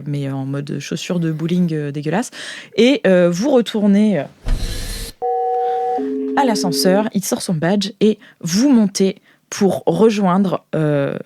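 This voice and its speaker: A woman narrating a tabletop role-playing game as game master, halting and thinking aloud as she improvises. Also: medium pitch, a little mellow, no echo.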